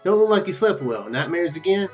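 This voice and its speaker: A man's voice: high voice, sing-song, a little fast, recorded from a distance, highs cut off, faint music behind. Man voicing a grumpy, scolding woman traveler. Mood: huffy. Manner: scolding, huffy. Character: grumpy, impatient young woman travel companion in fantasy game.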